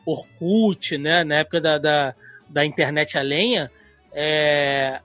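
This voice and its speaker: With faint music behind him, a Carioca-accented Brazilian podcast co-host in his thirties explains at length in a chatty, tangent-prone way, peppered with "né." His voice is a little high and sharp in tone. He speaks slowly.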